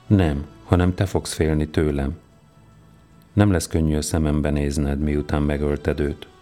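A man's voice: a bass voice, level tone, mellow, faint music behind. A man reading a fierce, bitter ragged disciple. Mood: defiant.

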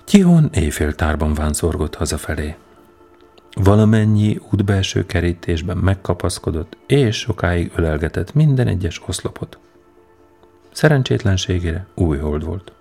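A man reading a novel aloud as narrator, measured and wry. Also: sits low, expressive, gravelly, darkish tone, faint music behind. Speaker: audiobook narrator.

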